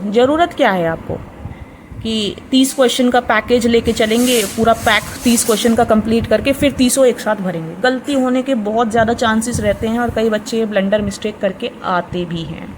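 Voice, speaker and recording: A woman's voice: fairly high pitch, slight background noise, low-quality recording. A woman teacher explaining an exam answer sheet step by step, repeating key points patiently and addressing viewers as friends. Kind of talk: explanatory tutorial lesson.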